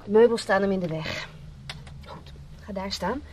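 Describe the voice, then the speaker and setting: An actress playing a determined, impatient young sister who gives curt, insistent orders in a radio play. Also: female voice, medium pitch, moderate pace, a little mellow, slight background noise, close to an everyday voice, low-quality recording.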